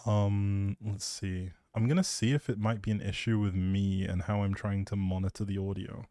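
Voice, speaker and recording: A man's voice: fairly low pitch, fairly even intonation, normal speed, mellow, dry recording. A man hosting a livestream, rambling casually and chattily, often breaking off mid-thought, speaking close to the mic. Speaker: live streamer, host.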